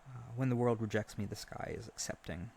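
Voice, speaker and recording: A man playing an earnest, lovesick young harpy bird-boy in a roleplay audio drama, gentle and insecure, speaking tenderly with hesitant stammers. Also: lowish voice, steady tone, brisk, vocal fry, slight background noise. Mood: wistful. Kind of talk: roleplay audio drama spoken intimately to the listener.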